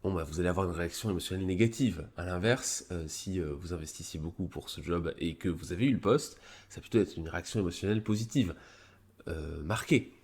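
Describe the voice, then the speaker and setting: A man who has a cold, hosting a live stream, explaining a psychology article in a casual, halting way with many fillers and restarts. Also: low voice, a little mellow. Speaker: streamer presenting a psychology review.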